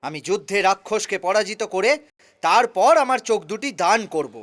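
A noble, generous storybook king declaims in a high, bright, forceful voice. His speech is formal and theatrical, as in a children's cartoon. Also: lively intonation, moderate pace. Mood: lofty, earnest. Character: noble, generous king of a fairy-tale kingdom. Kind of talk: Bengali children's cartoon acting.

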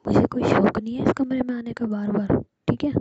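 A woman's voice: a little high, steady tone, brisk, mellow, no room sound, lo-fi sound. A woman voicing a playful, cocky young woman who teases, in a whispered role-play. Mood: teasing. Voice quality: breathy whisper. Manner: playful, teasing.

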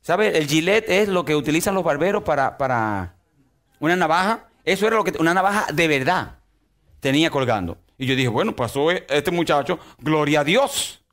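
Man, pastor's sermon, somewhat high voice, dramatic loud-soft preaching, church. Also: animated, moderate pace.

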